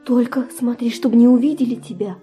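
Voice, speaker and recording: A woman playing Laura, a dark-voiced flirtatious lover. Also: on the high side, fairly even intonation, fairly quick, soft background music, close to an everyday voice. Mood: conspiratorial, tender. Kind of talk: theatrical verse radio drama.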